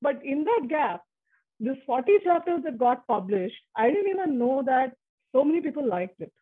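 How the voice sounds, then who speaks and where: A woman's voice: high voice, sing-song, normal speed, slightly rough. A woman in her forties whose first language is Tamil, talking casually as an interview guest, chatty with frequent restarts. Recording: muffled phone-like line.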